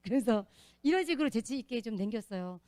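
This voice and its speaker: A woman giving an earnest, animated testimony as a church deacon, telling her story in a church. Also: fairly high pitch, brisk, no echo.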